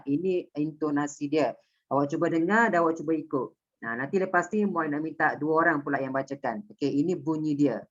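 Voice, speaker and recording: The lo-fi recording captures a deep-voiced woman, a primary school Malay teacher with a Malaysian Malay accent. She leads an online lesson step by step and checks that her pupils understand.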